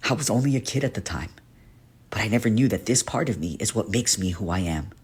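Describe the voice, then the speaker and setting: Gentle, wounded guardian-mentor for character drama, male actor: lowish husky voice, earnest confessional delivery. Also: animated, quick pace. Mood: hurting, confessional. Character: gentle guardian teacher, male shapeshifter haunted by a painful past. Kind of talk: dramatic character monologue for a voice reel.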